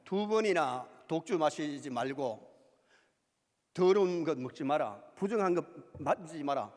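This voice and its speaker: A male pastor preaching a sermon, lively and emphatic, with quoted asides. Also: on the high side, measured pace. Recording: church hall reverb.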